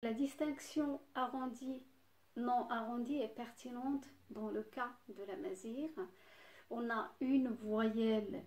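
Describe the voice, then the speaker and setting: Slow, deliberate woman lecturing in an echoey room. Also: on the high side, fairly even intonation, darkish tone. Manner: slow, deliberate, pausing to list examples. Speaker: university lecturer. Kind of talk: recorded phonetics lecture.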